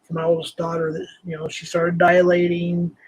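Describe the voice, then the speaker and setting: A man's voice: high-pitched, completely flat delivery, normal speed, breathy edge, rough recording. An older man hosting a live stream, casual and rambling, laughing often. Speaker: host.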